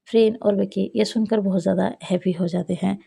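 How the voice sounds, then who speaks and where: A woman narrating a storybook in a plain, steady reading. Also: medium pitch, a little fast, vocal fry, breathy edge.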